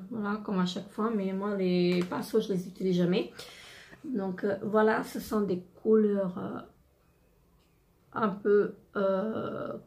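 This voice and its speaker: A woman in her thirties with a slightly hoarse voice, chatting casually through a product haul with many fillers and pauses. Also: mid-range voice, mellow. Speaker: beauty vlogger.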